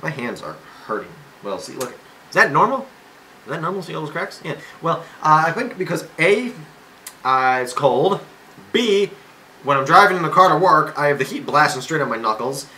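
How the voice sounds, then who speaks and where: A man's voice: fairly high pitch, bright, forceful tone, a little hiss or hum, low-quality recording. An eighteen-year-old man talking casually to his camera at home, rambling with lots of fillers, restarts and self-mocking jokes. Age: young adult. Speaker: vlogger. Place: home room. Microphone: camera mic.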